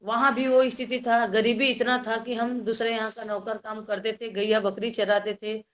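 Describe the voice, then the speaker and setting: A woman's voice: on the high side, flat delivery, moderate pace, a bit bright. A woman with a Chhattisgarhi accent, speaking as a guest and telling her life story earnestly, acting out the voices of the people she quotes. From Chhattisgarh, India. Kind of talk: personal life story talk. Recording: dull lo-fi recording.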